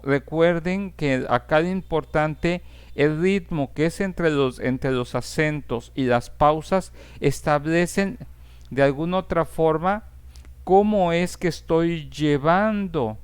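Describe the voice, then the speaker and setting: A man lecturing to his students at a deliberately slow pace, pausing on "eh" and checking in with "¿sí?". His voice sits a little high for a man. It comes through smooth and resonant. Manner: slow, measured explaining with frequent "eh" fillers and "¿sí?" checks. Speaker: teacher. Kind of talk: recorded class lecture.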